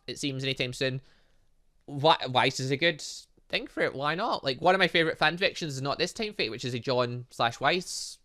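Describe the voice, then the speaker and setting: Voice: mid-range voice, sharp tone. A gaming video host giving rambling, off-the-cuff let's play commentary, often repeating phrases. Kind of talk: let's play commentary, reading visual novel dialogue aloud.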